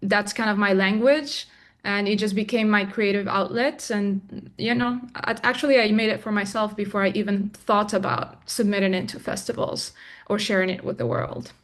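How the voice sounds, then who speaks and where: A young adult woman from Morocco, a filmmaker guest in an interview, speaking reflectively with frequent pauses and restarts. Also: mid-range voice, fairly even intonation. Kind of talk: interview conversation.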